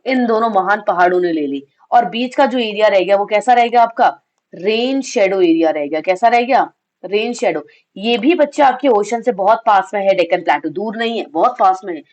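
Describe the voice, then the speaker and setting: A woman's voice: medium pitch, lively intonation, moderate pace, a little mellow. Hindi-English teacher woman, sore throat. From India. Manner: asks questions and answers them herself; addresses students as kids. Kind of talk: exam revision lecture.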